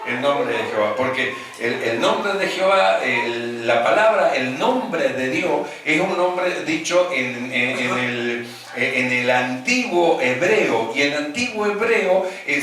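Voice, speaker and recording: Male pastor, high and forceful voice, preaching from a distance to the mic in a very echoey church hall. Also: animated, slow, a little hiss or hum. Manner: teaching, repeats key phrases, often addresses listeners as brother. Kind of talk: sermon.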